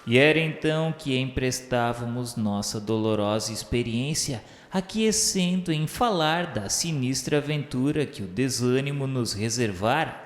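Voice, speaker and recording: A man's voice: mid-range voice, lively intonation, a little slow, few pauses. A man with a Brazilian accent narrating an audio novel in a formal, solemn, declamatory and earnest literary style. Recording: echoey hall reverb with music behind. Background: music.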